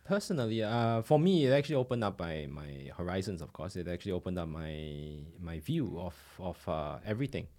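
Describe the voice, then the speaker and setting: A man's voice: deep voice, lively intonation, a little fast, few pauses, a little mellow. A man from Singapore, a podcast guest, talking hesitantly with many fillers. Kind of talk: conversational interview.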